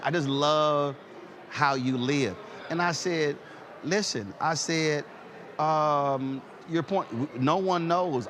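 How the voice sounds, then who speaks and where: A man in his fifties hosting an interview, telling stories in an animated way and repeating "I said" as he acts out conversations. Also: a little high, slight background noise. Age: 50s. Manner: animated storyteller, repeats "I said" while acting out exchanges. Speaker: host. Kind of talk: casual interview chat.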